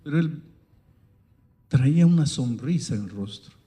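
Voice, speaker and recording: A pastor preaching a sermon as a story, telling it dramatically with sudden swings in pitch and force. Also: male voice, animated, measured pace, mellow.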